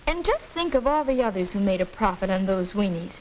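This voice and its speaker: A young woman playing a pointed, skeptical high school student debating, in 1940s educational film acting, on a hissy old film soundtrack. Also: sing-song, brisk, darkish tone, close to an everyday voice, low-quality recording. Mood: arguing. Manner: pointed, arguing.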